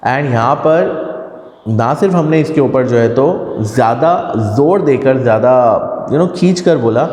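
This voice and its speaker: A man's voice: mid-range voice, lively intonation, unhurried, darkish tone. An Indian man, a college teacher, lecturing a class step by step, asking and answering his own questions and correcting his slips. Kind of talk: classroom lecture mixing Hindi and English. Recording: echoey room with long reverb.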